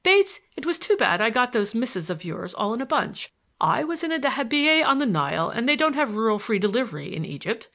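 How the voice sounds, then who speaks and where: Lady reading as a sly old grandpa, pitched up, very swoopy, courteous and teasing, storybook style. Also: sing-song, brisk, hardly any pauses, fairly bright tone. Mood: gleeful. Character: genial, sly old grandfather, relishing his surprise. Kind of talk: audiobook character dialogue.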